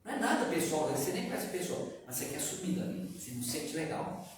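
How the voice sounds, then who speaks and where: Man, Brazilian Portuguese accent, spiritist lecture, animated, questions the crowd, distant mic, very echoey hall. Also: a little high, fast talker. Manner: animated, asks the audience questions, chuckles often. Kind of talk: lively lecture to a live audience. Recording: echoey room, far from the mic, background noise.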